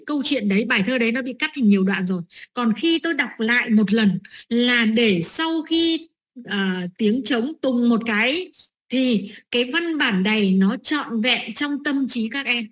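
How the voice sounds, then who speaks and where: A woman's voice: fairly high pitch, a bit bright, breathy edge. A middle-aged woman training teachers, explaining lesson steps with many fillers and "right?" checks.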